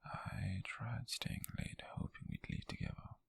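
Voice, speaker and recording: Man acting a gravelly whispering British obsessive admirer. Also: sits low, wildly swooping pitch, heavily acted. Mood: wounded, resentful. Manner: slow, intimate, brooding, with heavy pauses. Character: obsessive, possessive lovesick male co-worker turned captor. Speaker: ASMR roleplay performer. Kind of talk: whispered ASMR roleplay monologue. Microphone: close-up, dry microphone.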